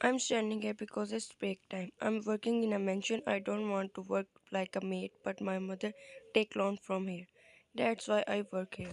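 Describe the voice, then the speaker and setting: A woman's medium-pitched voice with a non-native accent, fairly slow pace, and fairly even intonation, dry and close with no echo. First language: not English. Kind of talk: fan fiction story reading. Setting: birds chirping in background.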